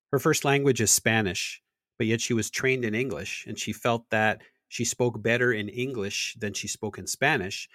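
Low-voiced friendly man, dry sound. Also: a bit bright, dry recording. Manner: friendly, laughs often. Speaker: podcast co-host. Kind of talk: podcast interview.

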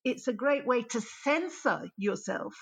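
A woman's voice: on the high side, expressive, unhurried, vocal fry, husky. A woman language teacher answering interview questions in a thoughtful, explanatory way. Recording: muffled lo-fi line.

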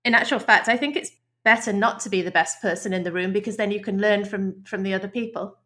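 A woman's voice: mid-range voice, steady tone, fast, sharp tone. A woman, a podcast guest explaining her ideas in a thoughtful, chatty way, often restarting phrases. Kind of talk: podcast interview.

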